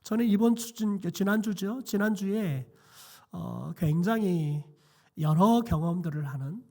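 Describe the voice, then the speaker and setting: Hoarse pastor with a dark voice. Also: male voice, sits high, unhurried. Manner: quiet, subdued preaching with frequent "eo" fillers. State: hoarse, voice nearly gone. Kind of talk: sermon. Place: church sanctuary.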